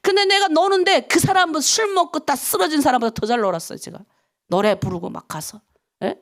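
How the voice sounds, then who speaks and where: A woman's voice: sits high, fairly quick. A middle-aged woman pastor from North Korea giving a dawn prayer sermon, emphatic and full of rhetorical questions to the congregation.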